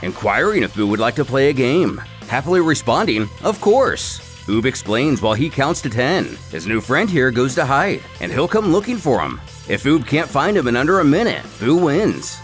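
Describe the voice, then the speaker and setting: A man giving a scripted story recap as a narrator, in a dramatic, animated storytelling manner. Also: medium pitch, normal speed, few pauses, soft background music. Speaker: narrator of a fan comic recap series.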